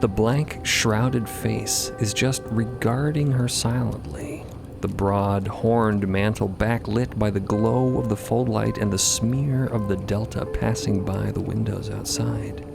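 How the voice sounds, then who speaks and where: A man's voice: lowish voice, slow, vocal fry, over music. A man narrating an audio drama as scripted storytelling.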